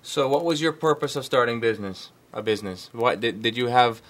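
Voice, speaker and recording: A man's voice: mid-range voice, brisk, a bit bright. A man with a Jamaican accent hosting an interview, reading an upbeat admiring introduction and then asking questions. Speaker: interview host.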